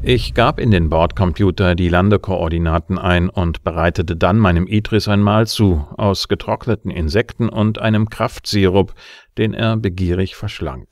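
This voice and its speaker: A man's voice: low-pitched, moderate pace, no room sound, studio quality, natural voice. An actor playing a cocky, wry bounty hunter who narrates his case in a laconic, flippant audio drama style. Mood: wry, detached. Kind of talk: hard-boiled first-person audio drama narration.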